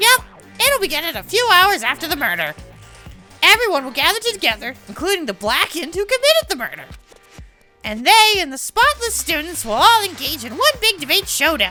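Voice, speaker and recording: A woman puts on a character voice at an extremely high pitch, with very wide pitch swings and a fairly quick pace. Faint music plays in the background. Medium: game stream. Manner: gleeful, theatrical.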